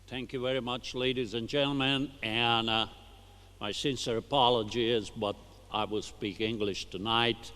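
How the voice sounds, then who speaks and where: An older man with a Hungarian accent, a native Hungarian speaker, giving a halting, deliberate academic lecture to a conference audience. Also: medium pitch, fairly even intonation, sharp tone, clear, resonant tone. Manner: halting, deliberate, with many restarts. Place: conference hall. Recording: long hall reverb.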